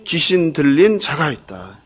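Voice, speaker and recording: A man's voice: a little high, big pitch swings, measured pace. A male pastor preaching an expository sermon in a church, asking his congregation questions and repeating their answers back to them. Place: church sanctuary.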